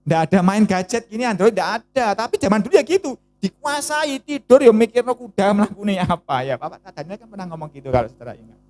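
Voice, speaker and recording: Lively woman preaching. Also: mid-range voice, fast talker, hardly any pauses. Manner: lively, rhetorical questions to the congregation. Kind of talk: sermon.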